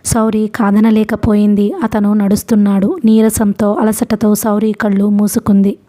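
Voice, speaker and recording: A woman's voice: medium pitch, level tone, normal speed, warm tone. A young adult woman, host of the channel, narrating a novel as an audiobook storyteller and voicing the characters in her own voice.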